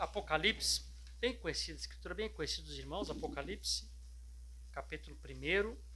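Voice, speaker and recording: Spoken at a fairly quick pace with long, frequent pauses, the voice carries audible room echo. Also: man. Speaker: pastor. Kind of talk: sermon. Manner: calm, restrained.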